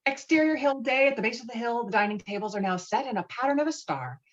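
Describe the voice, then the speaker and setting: A woman's voice: a little high, expressive, fast talker. A woman reading out stage directions as scripted screenplay narration. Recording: dull, muffled remote-call audio.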